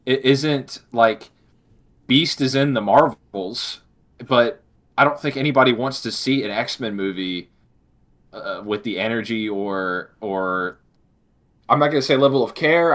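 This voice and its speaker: A man with an average-pitched voice talks as a podcast co-host. He is casual and opinionated, sounding exasperated as he restates his points. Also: moderate pace, fairly bright tone. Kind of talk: casual opinionated pop-culture discussion.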